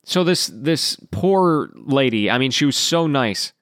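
Man, podcast host, casual monologue, animated rants, mid-pitched voice, dry close sound. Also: no room sound. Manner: animated ranting with quick apologetic asides; acts out quoted exchanges in a raised voice. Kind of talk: casual after-show monologue.

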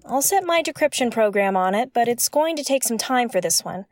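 A woman's voice: a little high, lively intonation, a little fast, dry recording, lightly acted. A woman playing a wary, wry investigator aboard a derelict spaceship in an audio drama, speaking hesitantly. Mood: musing. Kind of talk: naturalistic audio drama acting.

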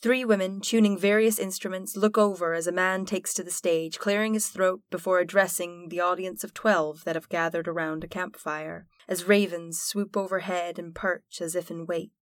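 A woman's voice: lowish voice, fairly even intonation, moderate pace, no room sound, clean studio sound. A woman hosting and narrating a tabletop roleplaying game in an informal, playful, sweary way. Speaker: game master and podcast host.

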